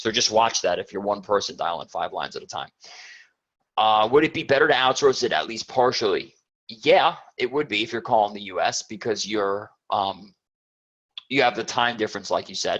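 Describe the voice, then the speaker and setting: Man with a New York accent, fairly quick pace, long and frequent pauses. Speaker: sales coach. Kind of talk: webinar Q&A. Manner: conversational, direct.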